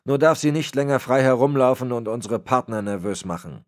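A man voicing a frail, cold old crime boss who gives orders in a raspy voice. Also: mid-range voice, expressive, brisk, pitched above the performer's own voice, lightly acted. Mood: icy. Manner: cold, commanding. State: raspy, cracking voice.

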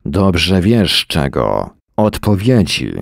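A man's voice: a bass voice, big pitch swings, slow pace, vocal fry, no echo, studio quality, heavily acted. A man reading the lines of an angry, bitter English settler in a story, harsh and commanding.

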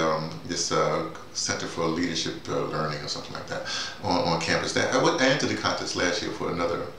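A low, gravelly middle-aged man chats informally to a camera in a very echoey office. He rambles and halts, doubling back on words and wandering into side remarks. The mic sits at a distance, so the voice sounds roomy and removed. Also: a bit bright. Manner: rambling, halting, repeats words and digresses. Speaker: playwright and audio drama director presenting his writing. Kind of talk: casual off-the-cuff vlog talk. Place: small bare-walled office, indoors. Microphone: camera mic a few feet away. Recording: distant mic, echoey room, noisy background.

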